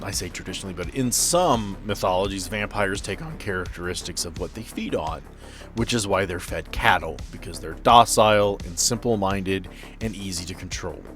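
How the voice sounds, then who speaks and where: A man's voice: sits low, normal speed, fairly bright tone, soft background music. A man running a tabletop horror game as game master, improvising narration and rulings in conversation.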